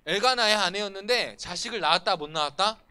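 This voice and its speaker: A man preaching to a church youth group, animated and often asking the students questions. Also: sits high, quick pace, clear, resonant tone. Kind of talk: sermon. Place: church worship room.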